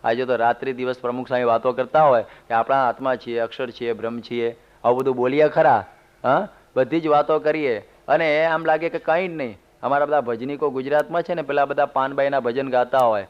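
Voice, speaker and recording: Man preaching with folksy humor, smooth voice. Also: medium pitch, steady tone, fairly quick. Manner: storytelling, homely humorous asides. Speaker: monk giving a religious discourse. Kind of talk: sermon. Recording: dull lo-fi CD recording.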